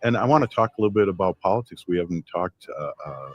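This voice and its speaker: A man's voice: low-pitched, lively intonation, fast talker, dull audio, a little hiss or hum. A man hosting a radio show, friendly and conversational, often agreeing with his guest. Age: 60s. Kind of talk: casual radio interview.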